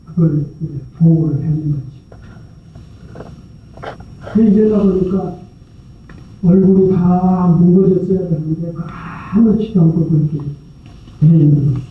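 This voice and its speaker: A man's voice: high-pitched, slight background noise. A male Buddhist monk giving a sermon, telling a story in a loose, conversational way and asking rhetorical questions. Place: large temple prayer hall. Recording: very echoey hall, distant mic, tinny sound.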